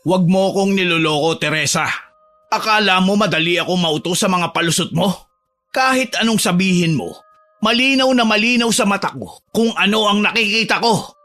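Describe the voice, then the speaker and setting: A man's voice: sits high, a little fast, pushed and bright. A man voicing a strict, angry father scolding and threatening his daughter, over faint music.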